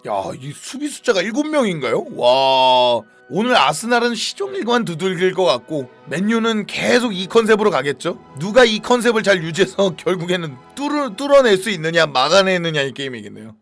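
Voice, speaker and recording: Excitable man reacting to a football match. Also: sits high, a little fast, few pauses, faint music behind. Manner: excitable, shouts at big moments, chatty asides. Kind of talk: live match reaction commentary.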